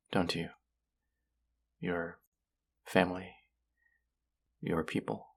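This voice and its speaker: Performer as a gravelly, low, sinister alien collector. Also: full character voice. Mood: mock-tender, fascinated. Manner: condescending, cooing, slow and savoring, often dropping to whispers. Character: cruel, covetous alien collector-artist feigning kindness to a captive. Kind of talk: dramatic second-person audio roleplay monologue.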